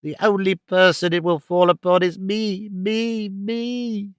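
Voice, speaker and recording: A shrieking, panicky old miser of a moneylender, put on by a male reader of a storybook. His voice sits high and thin above a smooth, clear tone, recorded close and dry. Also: level tone, takes it slowly, no echo. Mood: frantic. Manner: shrieking, wailing.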